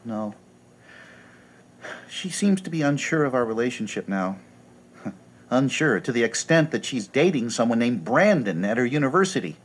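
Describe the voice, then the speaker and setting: A man's voice: mid-range voice, sing-song, normal speed, pauses often. An actor playing a fussy, formal young man who speaks in precise, fretful sentences about being hurt in love.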